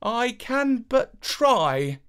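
A woman's voice: a little high, big pitch swings, drawn-out words, clean tone, pitched above the performer's own voice, full character voice. A woman voicing a plucky, easily frustrated young man in a fairytale, boyish and emphatic. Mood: brave.

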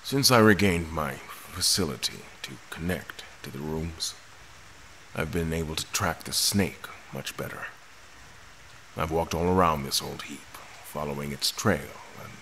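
An actor playing a grave, courteous gentleman admiral in an audio drama, speaking formally and with measured care. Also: very deep voice, a little hiss or hum, full character voice, low-quality recording.

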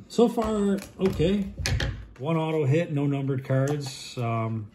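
A man in his thirties talks through pack openings in a relaxed, low-key way. He speaks slowly, naming each player with a short remark. A faint hiss sits under his close, indoor camera-mic sound. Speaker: card shop host opening packs. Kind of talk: casual card-opening commentary.

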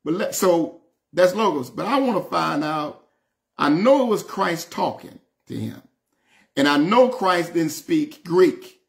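Older southern us guy preaching bible study, kinda high gravelly voice, folksy, keeps checking you're following. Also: expressive, measured pace. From Southern United States. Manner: emphatic, folksy, repeats phrases, calls on listeners. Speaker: bishop teaching Bible study. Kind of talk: informal Bible study sermon, reading and explaining scripture. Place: indoor room at home, seated before French doors.

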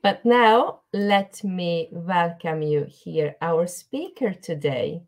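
A woman's voice: on the low side, lively intonation, slow, darkish tone. A woman hosting an online webinar, courteous and a little hesitant, repeating words as she introduces things. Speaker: host. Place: indoor room, video call.

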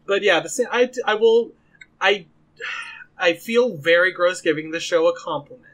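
High, bright-voiced man with dry quips. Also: fairly even intonation, normal speed, rough recording. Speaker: podcast co-host. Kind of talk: casual recap chat.

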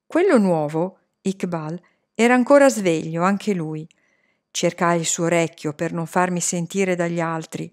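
A woman's voice: fairly low pitch, measured pace. Woman reading a storybook aloud. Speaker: reader.

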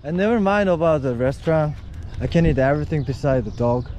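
A man's voice: on the high side, lively intonation, quick pace, darkish tone, slight background noise. A Korean man in his late twenties, a travel vlogger chatting in simple English with a Korean accent and laughing often, recorded outdoors on an action camera. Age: late 20s. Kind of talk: casual chat with strangers. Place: outdoors on a beach and a town street. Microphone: action camera, no separate mic.

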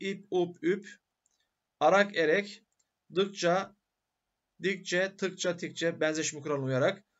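A man's voice: high-pitched, a bit bright, lo-fi sound. A male teacher giving a grammar lecture who asks questions and answers them himself.

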